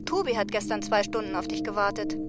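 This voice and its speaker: A woman's voice: mid-range voice, lively intonation, quick pace, loud music behind the voice, natural voice. An actress playing an exasperated woman leaving a sarcastic, scolding voicemail. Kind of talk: radio drama acting.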